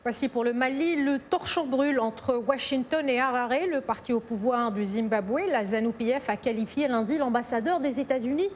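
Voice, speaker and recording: A woman's voice: a little high, moderate pace, few pauses, slight background noise. A woman presenting radio news, mostly fluent with the odd filler.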